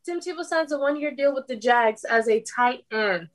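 A woman's voice: high-pitched, expressive. A woman co-hosting a casual sports chat, giggling often as she talks. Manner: giggly, quick to laugh. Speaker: podcast co-host.

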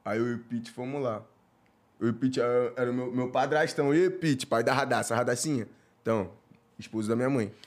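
A man's voice: mid-range voice, fast talker. A man with a Brazilian Portuguese accent telling a comic story in slangy casual chat, acting out voices and sound effects.

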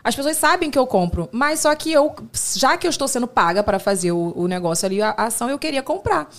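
A Brazilian woman hosting a casual podcast, with words that tumble out quickly. Her voice sits a little high, and she tells her stories in an animated, chatty way. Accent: Brazilian Portuguese. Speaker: podcast host.

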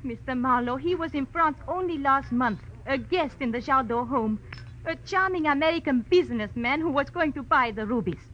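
An earnest Frenchwoman in a vintage radio mystery. Her voice is fairly high, polite and imploring, with 1940s dramatic delivery. The recording is dull, with faint noise. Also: lively intonation, moderate pace. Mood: urgent pleading. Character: earnest, pleading Frenchwoman, refined, softly flirtatious client.

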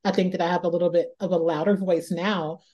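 A woman's voice: on the low side, level tone, fast talker, mellow. A woman from Northeast Ohio, an author talking through her writing life in a reflective interview, often repeating words as she thinks aloud. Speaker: author guest.

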